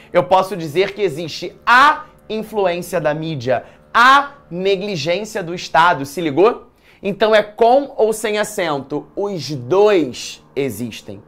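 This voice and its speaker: A man with a Brazilian accent teaching a live online exam-prep writing class from a studio, chatty and lively, quizzing his viewers with slangy asides. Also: high voice. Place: studio in a commercial building.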